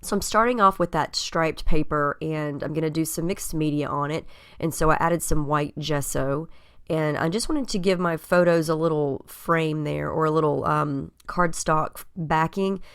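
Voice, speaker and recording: A woman with a cold-scratchy voice, giving a relaxed, chatty voice-over of her craft process with frequent ums. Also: low voice, moderate pace, clean tone. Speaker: scrapbook crafter. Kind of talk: casual voice-over narrating a craft process video.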